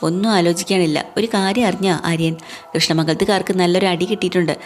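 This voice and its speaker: A woman voicing a gloating young wife in a serial retelling, low-voiced. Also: steady tone, quick pace, a little hiss or hum, natural voice.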